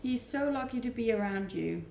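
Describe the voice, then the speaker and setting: A woman's voice: on the high side, lively intonation, moderate pace, vocal fry, darkish tone, a little hiss or hum. A woman with a Danish accent, chatting easily on a livestream from her rented home, reading out and answering viewer comments and laughing often. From Denmark. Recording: roomy echo.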